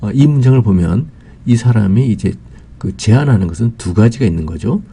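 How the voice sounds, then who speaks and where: Dark, gravelly-voiced male Korean English teacher. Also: lowish voice, animated. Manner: slow and careful, drawing out English example phrases, with frequent "ah" fillers. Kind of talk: explaining grammar in a recorded lesson.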